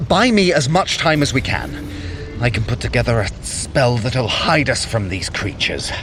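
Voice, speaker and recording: Man playing sardonic, wildly expressive trickster god. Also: mid-range voice, moderate pace, noisy background, natural voice. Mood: urgent. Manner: sardonic, theatrical. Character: Loki, sarcastic trickster god of Asgard. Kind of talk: audio drama acting for a running app.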